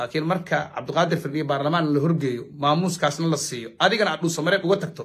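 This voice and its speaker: A man with a Somali accent speaks at a very fast pace with hardly any pauses, a fairly high pitch and ordinary pitch variation. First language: Somali (speaking Arabic). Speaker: political commentator. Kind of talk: political commentary monologue. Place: home room. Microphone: phone near.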